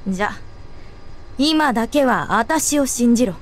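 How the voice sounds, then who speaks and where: An actress voicing a blunt, tomboyish teenage girl soldier in a game, speaking in a terse, gruff way. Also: animated, measured pace. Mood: earnest. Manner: gruff, terse, low-key. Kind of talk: game voice acting. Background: game music.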